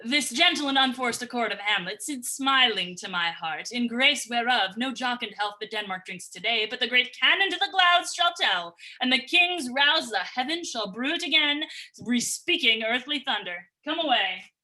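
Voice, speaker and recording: A woman playing a smooth-tongued, reproving middle-aged king in a livestreamed Shakespeare reading, with formal, stately verse delivery. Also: on the high side, expressive, normal speed, bright, forceful tone. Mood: grand, persuasive. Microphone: remote livestream from own location.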